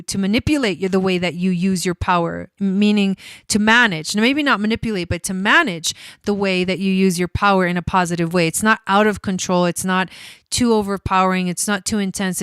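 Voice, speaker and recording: A woman's voice: lowish voice, fairly bright tone, clear, resonant tone, no room sound. A woman from Argentina, an astrologer hosting a casual livestream, chatty and cursing freely with many fillers. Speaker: astrologer host.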